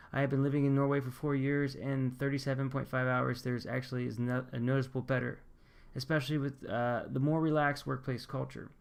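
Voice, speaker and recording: A man's voice: mid-range voice, gravelly. A young American man from Pennsylvania, chatting casually on his channel as he reads viewer comments aloud and answers them with loose, upbeat restarts. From Pennsylvania, USA. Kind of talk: casual vlog chat, reading comments aloud.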